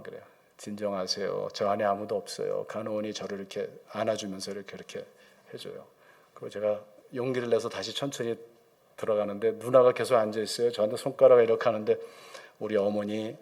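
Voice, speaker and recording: A man's voice: fairly high pitch, darkish tone. Korean man preaching a vivid story. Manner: vivid storytelling, acting out quoted voices, mixing in English phrases. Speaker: preacher, Old Testament professor. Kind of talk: sermon storytelling. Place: church sanctuary.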